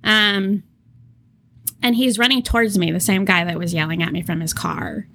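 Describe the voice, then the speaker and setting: A woman's voice: mid-range voice, steady tone, moderate pace, pushed and bright, a little hiss or hum. A woman co-hosting a casual podcast, telling stories, laughing often and acting out what people said. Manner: storytelling, laughing often, acts out quotes. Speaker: podcast co-host.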